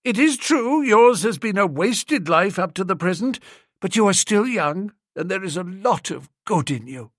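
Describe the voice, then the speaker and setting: A man voicing a bossy, self-assured young upper-class woman, speaking high and in a breezy, condescending way. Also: expressive, moderate pace, a bit bright, dry recording, studio quality. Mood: managing.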